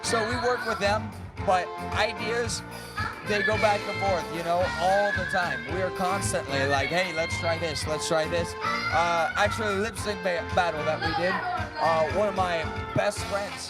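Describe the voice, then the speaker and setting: A man's voice: sits high, moderate pace, rough recording. An upbeat man working as a cruise director, talking casually and animatedly in a live interview. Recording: loud music behind the voice. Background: loud music.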